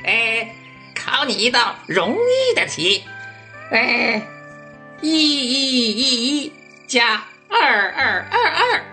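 A woman acts out a lively animal friend in a children's radio drama. The voice is high and very animated, exclaiming at an unhurried pace. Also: full character voice.

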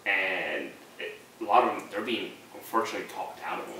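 Deep-voiced man, Spanish-native, echoey room. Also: a little fast, pushed and bright, slight background noise. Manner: earnest, motivational, many fillers. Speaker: podcast guest. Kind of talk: casual podcast chat. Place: living room with couch. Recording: echoey room, mic far off.

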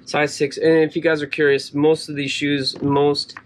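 A man's voice: a little high, little pitch movement, moderate pace, a little hiss or hum. A man in his thirties chatting casually to camera while sorting clothes from a storage locker in a cluttered room. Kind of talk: casual unboxing commentary to camera.

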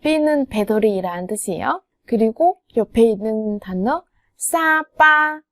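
A woman with a Vietnamese accent teaching pronunciation, repeating each sound slowly for learners to copy. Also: on the high side, lively intonation, fairly bright tone, no room sound, clean studio sound. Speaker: language teacher. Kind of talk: slow pronunciation lesson.

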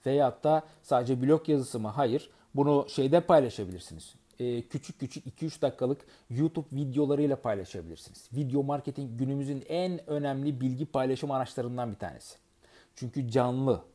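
Mellow-voiced man giving earnest advice. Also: medium pitch, fairly quick. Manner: earnest, advising, with many restarts and fillers. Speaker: network marketing trainer. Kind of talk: advice monologue to an audience.

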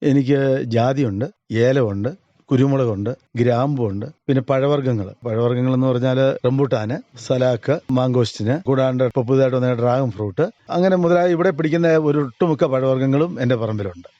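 A middle-aged farmer from Kerala, answering interview questions in a plain, casual way and pausing to search for words. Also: male voice, medium pitch, warm tone, no echo. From Kerala, India. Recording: dull lo-fi radio recording.

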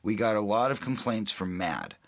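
A man, an actor looking back on making a film in a relaxed interview, chatty and quick to laugh, acting out what others said. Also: fairly low pitch, creaky, a little hiss or hum. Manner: chatty, laughs often, acts out quoted people.

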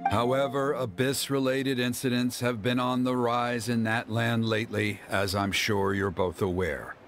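An actor playing a stern, proud middle-aged father and tribal elder in a video game, speaking in a formal, measured way. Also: medium pitch, fairly even intonation, close to an everyday voice. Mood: grave, explaining. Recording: game audio with loud music. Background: loud game music.

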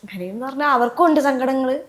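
Higher-voiced woman interviewer, echoey room. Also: fast, slight background noise. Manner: echoes the answers and asks short follow-up questions. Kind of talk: conversational interview.

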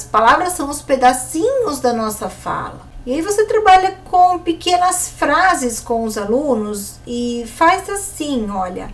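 A woman with a Brazilian Portuguese accent giving a recorded lesson to educators, explaining classroom games clearly and with lively pitch swings. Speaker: teacher giving an online course.

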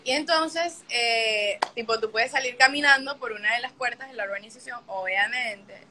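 A woman's voice: on the high side, moderate pace, noisy background. A young woman, hosting a livestream and telling a story casually and animatedly, swearing often and acting out the scenes. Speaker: livestream host.

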